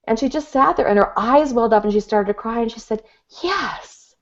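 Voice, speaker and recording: Gentle woman coach, lo-fi sound. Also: fairly high pitch, fast. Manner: gentle, earnest, explaining with examples. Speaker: guest expert, relationship coach. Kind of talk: webinar teaching talk. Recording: dull lo-fi audio.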